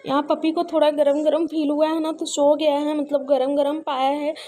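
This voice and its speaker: A woman's voice: high voice, flat delivery, moderate pace, mellow. A young woman chatting casually through a family vlog at home, explaining at length with lots of fillers. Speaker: family vlogger and mother. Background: music and prayer sounds nearby.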